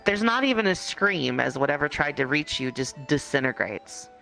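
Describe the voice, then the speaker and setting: A game master with a gravelly, mid-pitched voice narrates an improvised roleplay story. The telling is conversational and halting, addressed straight to the player. Faint music plays behind the voice. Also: animated, pushed and bright, low-quality recording.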